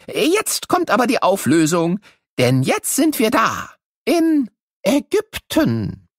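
Excitable, high-pitched eccentric cartoon scientist. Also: male voice, slow pace, no echo, studio quality, full character voice. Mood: jokey, enthusiastic. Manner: theatrical, joking, chuckling, addresses children. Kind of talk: children's educational audio play.

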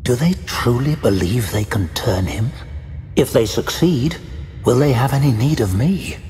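A man voicing a sinister, resentful warlock with a gravelly voice in an audiobook drama. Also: medium pitch, lively intonation, unhurried, mellow, lightly acted. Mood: suspicious. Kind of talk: audiobook drama character acting. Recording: echoing reverb, music behind.

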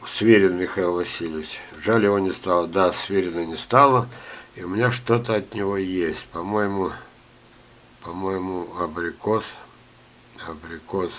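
An older man with a low voice talks through a gardening lesson at home and keeps stopping to cough. He reads letters aloud and drifts into chatty, joking asides. A faint hum sits behind him. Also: a little slow, a bit bright. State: ill, coughing. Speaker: gardening teacher. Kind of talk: screen-share talk reading viewer letters.

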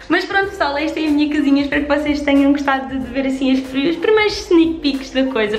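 A young woman in her twenties with a European Portuguese accent, chatting upbeat through a house tour vlog, filmed on a handheld camera in an empty flat. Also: a little high, reverberant. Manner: chatty and upbeat, fond of diminutives. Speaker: vlogger. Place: empty renovated flat indoors. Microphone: handheld camera at arm's length.

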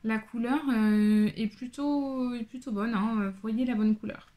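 A woman's voice: fairly high pitch, steady tone, a little slow, dark tone. A woman casually chatting through a fabric haul for her sewing channel, talking loosely with lots of fillers. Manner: chatty, many fillers, handling and showing fabric. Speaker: sewing vlogger.

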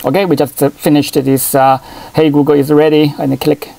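Halting man with a mellow voice. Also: on the high side, little pitch movement, vocal fry, low-quality recording. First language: Chinese. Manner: halting, many fillers and restarts. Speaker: tech channel host. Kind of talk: hands-on phone tutorial. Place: desk at home, in front of a computer.

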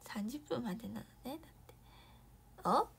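A young woman chatting casually on a morning live stream, reading viewer comments, thanking viewers in a bubbly way and sometimes dropping to a soft whisper. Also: on the high side, expressive, moderate pace, vocal fry, breathy edge.

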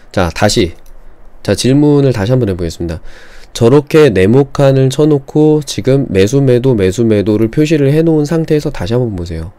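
Male streamer, relaxed mellow tone with lively pitch, walks viewers through charts in a dry, close recording. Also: dry recording. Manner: explains slowly, stretching words, reads viewer chat aloud. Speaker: stock market streamer. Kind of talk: live-streamed trading lesson.

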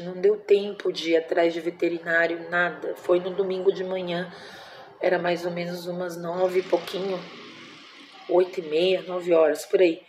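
A woman's voice: fairly low pitch, warm tone, a little hiss or hum. A Brazilian woman in her forties, a mother telling a personal story at home in a casual vlog, emotional and tender, full of diminutives and fillers. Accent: Brazilian Portuguese. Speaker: vlogger, mother.

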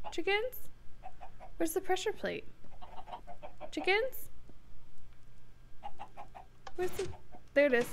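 A woman hosting a gaming channel, giving excitable, giggly let's-play commentary as she narrates her own moves. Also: high-pitched.

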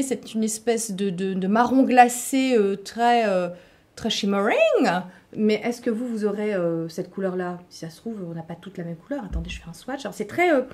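A woman's voice: a little high, dark tone. A middle-aged woman chatting casually as a beauty vlogger unboxing products, talking to her viewers with frequent fillers and restarts. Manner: playful asides to viewers.

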